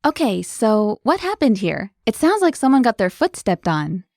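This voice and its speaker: A woman hosting a language lesson, explaining words clearly in an upbeat, scripted way. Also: a little high, big pitch swings, moderate pace, heavy background noise.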